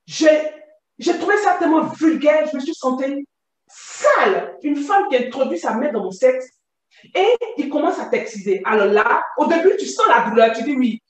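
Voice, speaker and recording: A woman giving a vivid, animated personal testimony. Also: high voice, normal speed. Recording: very echoey, distant from mic.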